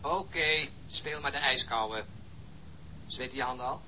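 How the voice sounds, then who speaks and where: An actor playing an excited, teasing police colleague with an exuberant manner in a radio drama. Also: male voice, mid-range voice, a little slow, a little hiss or hum, rough recording.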